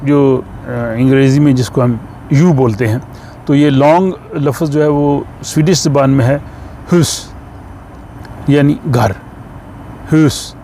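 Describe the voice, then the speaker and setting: A man with an Urdu accent explains a language lesson at an unhurried pace, pausing often on fillers. His voice sits at an ordinary middle pitch. Faint car and street noise hums behind him. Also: steady tone, warm tone. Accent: Urdu-speaking. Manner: slow, explaining with many fillers. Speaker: language teacher.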